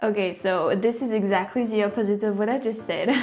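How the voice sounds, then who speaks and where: A woman speaks at a medium pitch in a monotone, flat delivery. Noticeable background noise runs under her voice. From France. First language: French. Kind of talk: casual talk to camera.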